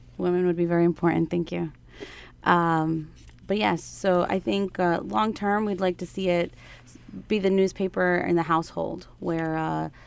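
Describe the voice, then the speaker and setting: A woman talks at a moderate pace in a New Jersey accent. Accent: New Jersey American. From Newark, New Jersey. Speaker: assistant publisher. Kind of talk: interview. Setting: radio studio.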